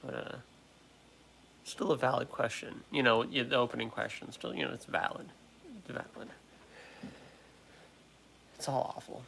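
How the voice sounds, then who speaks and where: Gravelly, creaky young American man chatting. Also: mid-range voice, steady tone, fairly bright tone, a little hiss or hum, low-quality recording. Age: late 20s. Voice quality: trouble pronouncing R sounds. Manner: halting, repetitive, self-interrupting. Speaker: livestream host. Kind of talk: casual livestream chat answering viewers. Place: at home.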